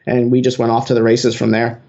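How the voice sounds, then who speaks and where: A man's voice: mid-range voice, monotone, fairly quick, gravelly, darkish tone. Interview guest, late-20s man, earnest storyteller, muffled lo-fi audio. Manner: earnest, fluent with some "you know" fillers. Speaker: guest, social media marketer. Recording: dull lo-fi sound.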